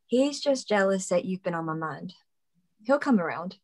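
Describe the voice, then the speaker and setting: A woman's voice: fairly low pitch, animated, normal speed, darkish tone. Frank, teasing young small-town woman, played by an actress. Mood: coy. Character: plain-spoken, teasing young coal-town woman, loyal daughter. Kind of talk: dramatic table read.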